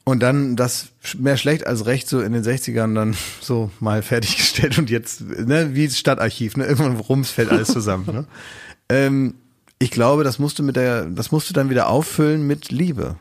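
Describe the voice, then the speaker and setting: A man's voice: medium pitch, normal speed. Rambling man chatting casually. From Oldenburg, northern Germany. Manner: rambling, thinks aloud in restarts. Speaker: podcast host. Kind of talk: casual chat.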